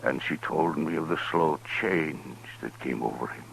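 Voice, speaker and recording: A man's voice: very deep voice, vocal fry, fairly bright tone, exaggerated voice, poor audio. An actor playing a proud, grieving Native American chief and father, speaking solemnly and formally in 1950s radio western style. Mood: solemn grief. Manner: solemn, formal, deliberate phrasing. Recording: 1950s radio recording with faint noise.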